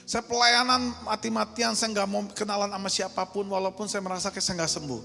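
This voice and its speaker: A man's voice: high voice, fairly even intonation, fairly quick, vocal fry, bright, forceful tone. A man in his thirties preaching a candid, conversational testimony, joking with the congregation in a reverberant church hall with music. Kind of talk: sermon testimony.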